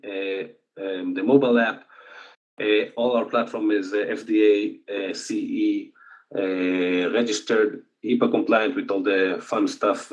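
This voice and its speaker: A man with an Israeli accent giving a conference presentation remotely, speaking haltingly with many filler sounds. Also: fairly low pitch. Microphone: video call. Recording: dull lo-fi video call audio.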